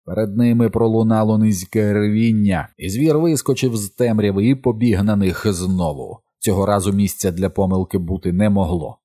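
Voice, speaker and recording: A male audiobook narrator reading a novel in a steady, measured way. His voice is very low and mellow. It has a husky, slightly breathy grain. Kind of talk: scripted narration.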